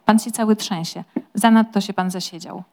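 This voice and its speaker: A steady, devoted manservant calming his master, read by a woman. The voice is gentle and reassuring, and a touch louder than ordinary talk. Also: medium pitch, normal speed, close to an everyday voice. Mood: soothing. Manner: soothing, reassuring. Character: loyal calm male manservant, soothing, steady. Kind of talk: audiobook-style reading of a novel.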